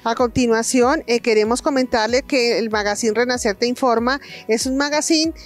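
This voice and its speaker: A woman's voice: fairly high pitch, normal speed, soft background music. A woman in her forties with a Colombian accent, presenting a TV segment outdoors on a handheld mic in an announcer-like way. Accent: Colombian, Boyacá. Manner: announcer-like, reads details clearly. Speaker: co-host. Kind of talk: scripted presenting. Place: outdoors in a farm field.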